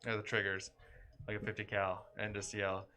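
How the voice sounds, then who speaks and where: A man's voice: on the low side, moderate pace, a little hiss or hum. A man playing a tabletop role-playing game, chatting casually and asking about the rules. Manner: lively, asks rules questions. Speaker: player.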